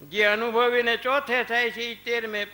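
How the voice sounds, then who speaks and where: A man with a fairly high, bright voice gives a spiritual discourse to a small group. His talk is chatty: he calls on listeners by name, tells anecdotes and recites verses between points. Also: flat delivery, normal speed. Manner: conversational, addresses listeners by name. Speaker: religious discourse speaker.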